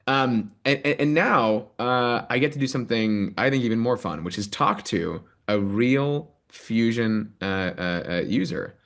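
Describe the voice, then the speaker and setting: A man leading a live software demo and then interviewing a guest over a video call, talking with eager energy and many ums. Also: medium pitch, unhurried, few pauses. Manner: animated, enthusiastic, many ums and rights. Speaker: product manager giving a demo and host.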